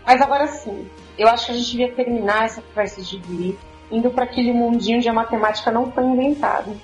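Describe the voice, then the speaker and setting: An excitable woman chatting on a casual podcast, her voice sitting a little high. She laughs often and acts out scenes as she retells them. The sound is dull and lo-fi, with faint music underneath. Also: moderate pace. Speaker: podcast co-host. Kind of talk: casual chat.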